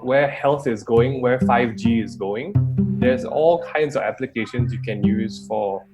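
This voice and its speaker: A man who is a YouTuber speaks as an interviewed guest, thinking aloud in casual, conversational phrases. His mid-range voice is a little slow, and loud guitar music plays behind him in the recording.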